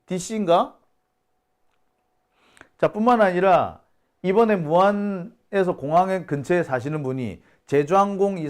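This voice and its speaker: Male news commentator, scoffing and exasperated, high-pitched and animated. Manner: indignant, scoffing, exclaims and sighs. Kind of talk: solo talk-show commentary.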